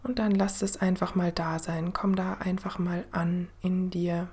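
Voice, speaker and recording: A woman host guiding a meditation in the soothing manner of a sleep story narrator, gentle and unhurried, with a soft, breathy voice that often drops to a near-whisper. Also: lowish voice, level tone, slight background noise. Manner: gentle, unhurried, with long pauses. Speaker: podcast host and meditation guide.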